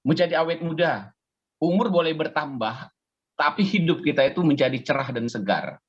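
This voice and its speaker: A man's voice: fairly high pitch, lively intonation, moderate pace, slightly rough, lo-fi sound. A man in his fifties, a pastor, giving a chatty, conversational sermon over a video call and drawing amens from his listeners. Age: 50s. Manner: conversational, chatty preaching with audience call-and-response.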